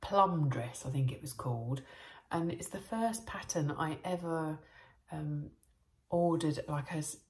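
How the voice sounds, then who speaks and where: Low, congested woman vlogging chattily. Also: unhurried, few pauses, slightly rough. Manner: chatty, chirpy and warm. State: congested, bunged-up nose. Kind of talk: casual daily vlog chat. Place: home and car, indoors. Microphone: phone camera at arm's length.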